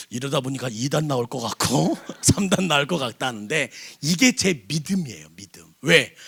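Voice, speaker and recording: A senior pastor preaching a sermon in a church service, throwing call-and-response questions at the congregation. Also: male voice, high-pitched, creaky, bright, forceful tone.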